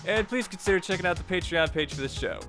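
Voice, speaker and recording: A man's voice: sits high, expressive, fast talker, music in the background. A man narrating a tutorial as its host in an informal, jokey, casual way.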